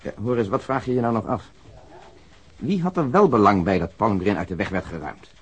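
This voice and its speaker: An actor playing a brisk, shrewd male police investigator in a radio crime drama, assertive and reasoning aloud. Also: fairly low pitch, husky. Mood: brisk, insistent.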